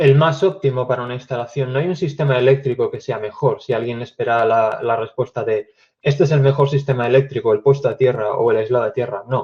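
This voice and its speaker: A man speaks at a very fast pace with hardly any pauses, his medium-pitched voice somewhat breathy and showing ordinary pitch variation. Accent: Spanish. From Spain, Barcelona (Catalonia). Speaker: company regional director, technical presenter. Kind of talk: webinar presentation. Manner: hesitant with fillers.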